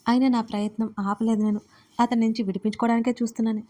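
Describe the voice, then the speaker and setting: Woman, audiobook narrator, first-person story, expressive and dramatic, fairly high voice. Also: very fast.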